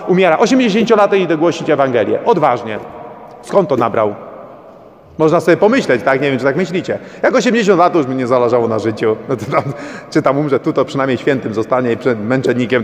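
A man preaching a sermon as a priest, urging his listeners with repeated rhetorical questions. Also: mid-range voice. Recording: long church reverb.

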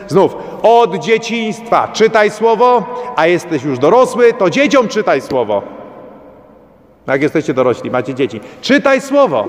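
A man preaching a sermon as a priest, urging his listeners with repeated rhetorical questions. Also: high voice. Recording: long church reverb.

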